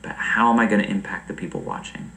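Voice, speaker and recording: A young man chatting casually on a livestream, rambling and animated, laughing often. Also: on the low side, fast talker, reverberant, a little hiss or hum, rough recording. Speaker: streamer.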